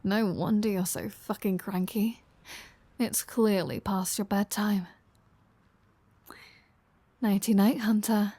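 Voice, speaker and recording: Slow-talking, teasing vampire woman, acted by a woman. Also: medium pitch, steady tone, dark tone, breathy edge, dry recording. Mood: teasing, sardonic. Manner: teasing, sardonic, foul-mouthed. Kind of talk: intimate roleplay audio drama.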